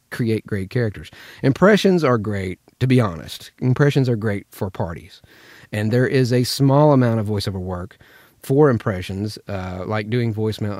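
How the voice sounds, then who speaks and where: A man's voice: medium pitch, darkish tone, dry recording, clean studio sound. A man with an American accent, chatting casually as a voice actor giving a tutorial. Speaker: voice actor teaching impressions.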